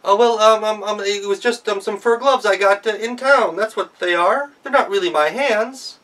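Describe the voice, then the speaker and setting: A man's voice: high-pitched, normal speed, a bit bright, recorded from a distance, pitched above the performer's own voice, rough recording. A man voicing a sly, hungry male wolf who schemes and stammers when caught, heard from away from the mic. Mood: flustered.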